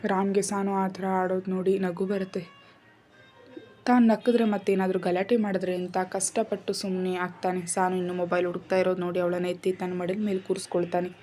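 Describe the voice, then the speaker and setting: Woman narrating a story in a flat voice. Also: fairly low pitch, fairly quick, faint music behind. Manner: steady, even reading.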